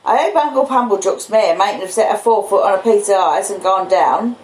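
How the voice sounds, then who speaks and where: A woman voicing a kindly, humble working-class English blacksmith in a storybook, with gentle, apologetic rustic speech. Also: medium pitch, a little fast, roomy sound, lightly acted, poor audio. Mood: homely, expectant.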